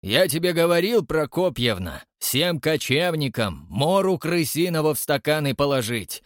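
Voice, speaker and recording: A man voicing a boisterous, burly elderly man who roars his words loudly. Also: very animated, unhurried, no echo, clean studio sound. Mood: gruff. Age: older. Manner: booming, roaring.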